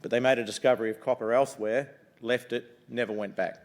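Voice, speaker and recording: A middle-aged man with a New Zealand accent and a loud voice, giving an upbeat investor presentation in a conference room, talking casually with lots of ums and uhs. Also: steady tone, fast talker. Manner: upbeat, conversational pitch with frequent ums and uhs. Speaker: mining company executive presenting to investors.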